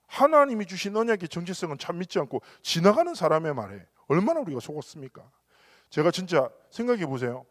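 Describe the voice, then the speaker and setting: A man's voice: a little high, no room sound, studio quality. A male pastor preaching a church sermon, telling stories with humor and acting out the quoted lines. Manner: animated storytelling with humor and acted quotes.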